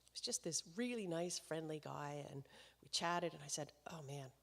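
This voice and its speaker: A woman's voice: deep voice, expressive, normal speed, vocal fry, fairly bright tone. A woman hosting a live concert series, introducing the performer to the audience in a chatty way and laughing between remarks. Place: concert hall, live event. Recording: long hall reverb.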